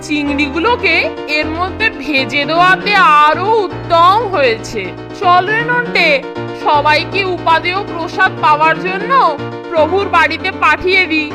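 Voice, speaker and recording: Really high squeaky cartoon schoolboy, cheeky and sly, loud music behind. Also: female voice, normal speed. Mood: mock-polite. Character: cheeky scheming schoolboy prankster in a children's cartoon. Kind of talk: Bengali children's cartoon voice acting.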